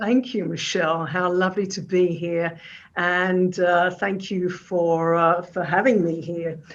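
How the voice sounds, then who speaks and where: A woman speaks fairly slowly in an English accent. Her pitch is fairly low and her intonation fairly even. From England. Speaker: author and communications coach. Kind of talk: interview.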